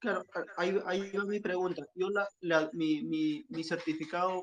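A man's fairly even delivery, dry and close with no echo. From Peru. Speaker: caller, engineering technician. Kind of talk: question in group call. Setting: online voice chat. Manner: hesitant, many fillers.

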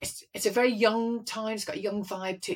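Here a woman speaks with a Northern Irish accent. Her intonation is fairly even. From Northern Ireland. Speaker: voiceover artist and former business owner. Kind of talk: casual chat. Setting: video call.

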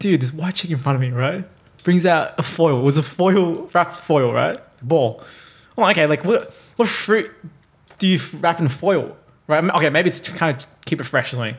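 Moderate pace and ordinary pitch variation in an Australian accent. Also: man, high pitch for a man. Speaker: podcast host. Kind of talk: casual chat.

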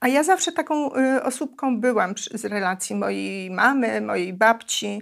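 A woman at a fairly slow pace, on a very clean recording with a silent background. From Poland, rural childhood, partly Cuba. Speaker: entrepreneur. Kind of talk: interview.

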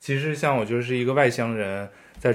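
Here is a man with an unremarkable speaking voice at medium pitch. He talks at a moderate pace with fairly even intonation. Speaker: podcast host. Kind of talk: casual chat interview. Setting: recorded at a friend's home in Lisbon.

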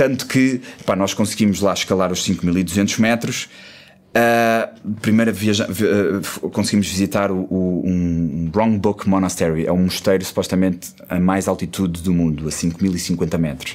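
A man speaks at a very deep, low pitch with ordinary pitch variation and a fairly slow pace. There is music in the background. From northern Portugal, Porto. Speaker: traveller. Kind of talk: casual interview. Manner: halting, with many repeated words.

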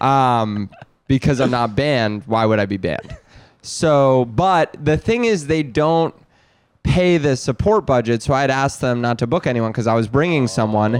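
An ordinary speaking voice with lively intonation moves at a moderate pace, its loudness staying very even throughout. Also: man, medium pitch for a man. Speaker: podcast host. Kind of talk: casual comedy banter. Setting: studio. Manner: joking, riffing.

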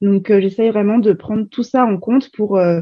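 A woman's somewhat breathy voice sits at a medium pitch. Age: 20s. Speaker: ethical fashion consultant. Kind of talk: interview.

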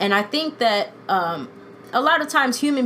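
An animated woman with an American accent talks with lively intonation over noticeable background noise. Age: 20s. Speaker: podcast host. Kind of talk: casual interview conversation. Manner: animated, laughs often.

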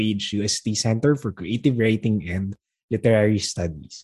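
Against a quiet background, a man's dark, mellow voice comes through at a moderate pace with a dry, close sound and no echo. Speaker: podcast host. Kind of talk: scripted outro; interview.

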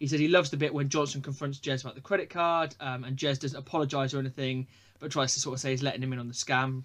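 Over a quiet background, a man talks very fast at a fairly high pitch with monotone, flat intonation. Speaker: podcast co-host. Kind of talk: casual chat, sitcom review. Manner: casual, joking.

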